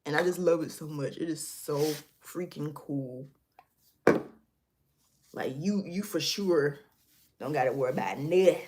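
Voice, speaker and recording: A woman's voice: sits low, unhurried, pauses often, a little mellow. A young woman, chatting casually and rambling through a skincare product review, laughing at herself. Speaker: beauty vlogger.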